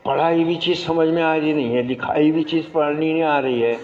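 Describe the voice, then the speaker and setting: Male preacher with a raised pitch, didactic and storytelling, recorded with a dull mosque echo. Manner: didactic, exasperated rhetorical asides; storytelling with a slow, emphatic cadence. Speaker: imam giving Friday sermon. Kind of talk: Friday sermon in Urdu. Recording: echoey mosque, dull lo-fi sound.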